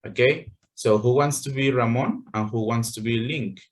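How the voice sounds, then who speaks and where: A man's voice: medium pitch, normal speed. A man teaching an English class over a video call, patient and full of fillers, checking in with "okay" often.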